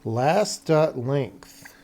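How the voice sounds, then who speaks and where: A man's voice: mid-range voice, animated, extremely slow, dark tone. A man live-streaming game development, thinking aloud casually and muttering to himself in short fragments.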